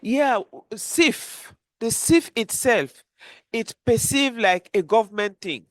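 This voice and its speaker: A woman speaking as a panelist and network coordinator, earnest and halting, often restarting her sentences. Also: a little high, expressive, dry recording. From Cameroon. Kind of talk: panel discussion remarks.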